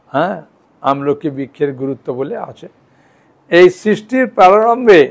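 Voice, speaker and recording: A man giving a devotional lecture as a monk. He talks in a conversational, reassuring way and often checks in with his listeners. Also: high voice. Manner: conversational, reassuring, checks in with "hyan" and "thik ache".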